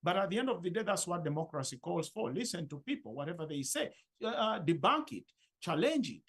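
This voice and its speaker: Male panelist, husky voice, high and very animated, persuasive. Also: brisk. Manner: emphatic, persuasive. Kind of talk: panel discussion.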